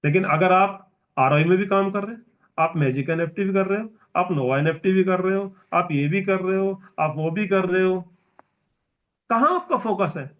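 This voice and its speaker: A man's voice: sits high, normal speed, lo-fi sound. A man in his forties giving a motivational business training speech, emphatic and repetitive as he exhorts the audience. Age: 40s.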